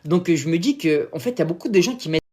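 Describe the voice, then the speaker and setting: A man from Brazil, a native Portuguese speaker with a Brazilian accent, giving an informal sermon in halting French with many fillers and pauses to search for words. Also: a little high, animated, a little mellow, slightly rough. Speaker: preacher.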